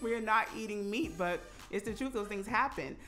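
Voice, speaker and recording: A woman's voice: mid-range voice, normal speed, fairly bright tone. A woman in her forties hosting a radio talk show, chatting casually with many fillers and easy laughs. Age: 40s. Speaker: radio host. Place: radio studio. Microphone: studio microphone.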